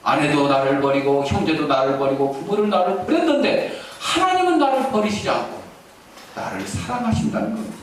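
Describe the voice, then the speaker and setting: Preacher voicing a tearful leper man, slightly high, in an echoey church. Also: a little fast, recorded from a distance, a little hiss or hum. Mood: lamenting. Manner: tearful lamenting confession. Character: weeping man with leprosy giving thanks.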